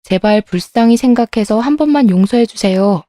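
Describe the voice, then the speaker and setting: A woman voicing a desperate jailed mistress who begs in a shrill, frantic voice. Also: fairly quick, dark tone, dry recording, studio quality, close to an everyday voice. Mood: pleading.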